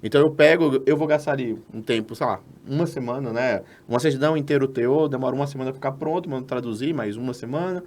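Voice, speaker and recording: A man's voice: medium pitch, fast talker, hardly any pauses, darkish tone. A Brazilian man with a Brazilian Portuguese accent, co-hosting a podcast and explaining a process step by step in casual, filler-heavy talk. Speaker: podcast co-host.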